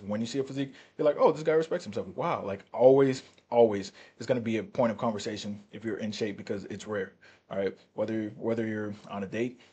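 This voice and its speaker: A man's voice: lowish voice, mellow, husky. A man coaching viewers on fat loss, talking bluntly and casually with some swearing, often checking in with "right?". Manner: blunt, profane, repeats "right?" and "all right?". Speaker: fitness coach. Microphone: turned-up mic, quiet recording.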